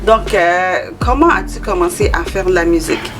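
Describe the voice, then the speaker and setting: A woman hosting a talk show, welcoming and questioning her guest, friendly and filling pauses with short hesitations. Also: on the low side, music in the background. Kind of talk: interview hosting.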